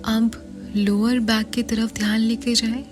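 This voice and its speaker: An Indian woman leads a guided meditation at a very slow pace. Her delivery is soft and partly whispered, with long pauses between short, measured phrases. Music plays clearly behind her voice. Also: on the high side, little pitch movement.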